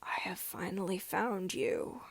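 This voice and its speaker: A menacing, half-machine dark lord played by a woman, speaking with breathy, bitter weight. He is a wronged father in a space-opera audiobook, lower than the reader's own voice. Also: takes it slowly, dry recording, exaggerated voice. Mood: cold menace.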